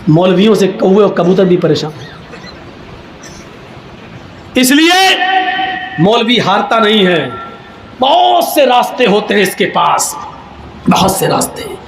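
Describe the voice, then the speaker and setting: A man preaching a humorous storytelling sermon, animated and breaking into shouts for emphasis. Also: sits high, vocal fry, long pauses. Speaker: Islamic preacher. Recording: echoey hall, faint background noise.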